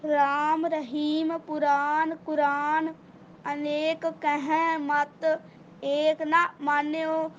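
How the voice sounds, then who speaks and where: A woman with a Punjabi accent slowly reciting scripture verses in a steady, even chant. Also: sits high, slight background noise. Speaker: student reciting. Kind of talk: slow devotional recitation. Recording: dull lo-fi recording with faint ambience.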